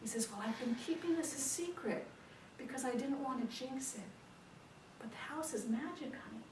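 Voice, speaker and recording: Woman playing a high-pitched, clueless slacker husband. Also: racing, close to an everyday voice. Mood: awed, excited. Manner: confident, wide-eyed, over-excited. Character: cocky, lazy, clueless young husband, a video-game slacker. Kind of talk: comic storytelling. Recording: echoey room, distant mic, some noise.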